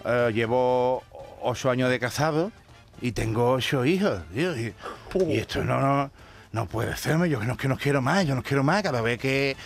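A man's voice: medium pitch, normal speed, vocal fry, soft background music, natural voice. Man doing a flustered, fed-up family man. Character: exasperated married father of many.

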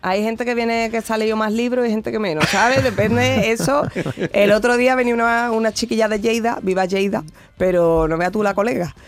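A woman's voice: on the high side, steady tone, fairly quick, soft background music. A woman from Jerez with a strong Andalusian accent, a stand-up comedian telling chatty stories in a radio interview and laughing along. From Jerez, Spain. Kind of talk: radio interview, anecdotal storytelling. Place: radio studio.

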